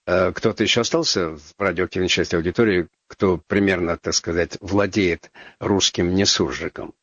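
Deep-voiced wry radio host, man. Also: steady tone, normal speed, a bit bright, dry recording, lo-fi sound. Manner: ironic, wry asides with frequent fillers. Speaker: radio talk show host. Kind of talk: casual call-in radio talk. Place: radio studio.

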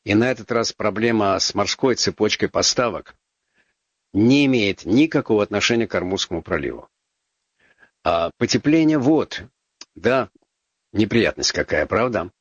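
Deep-voiced wry radio host, man. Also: expressive, normal speed, long pauses, husky, dry recording, dull audio. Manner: ironic, wry asides with frequent fillers. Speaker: radio talk show host. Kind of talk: casual call-in radio talk. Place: radio studio.

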